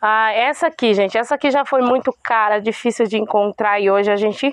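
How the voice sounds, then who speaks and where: A woman with a Brazilian accent, ordinary pitch variation and a moderate pace, in a dry sound with no echo over a quiet background. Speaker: plant seller. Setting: home video recording, showing plants to the camera. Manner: chatty and a bit rambling, checks in with 'gente', 'tá?' after nearly every phrase. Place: garden. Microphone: phone near.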